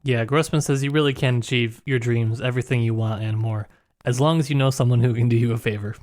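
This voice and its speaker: A man's voice: medium pitch, fairly even intonation, fast, a little mellow. Casual, joking man with mid-range voice. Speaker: podcast co-host. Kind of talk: casual book discussion chat.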